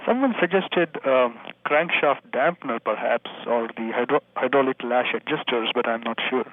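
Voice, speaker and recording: A man's voice: medium pitch, normal speed. A polite young man with an Indian accent calling in to a radio show, describing his car carefully with some hesitation. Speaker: caller. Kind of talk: phone call to radio show. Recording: tinny phone line.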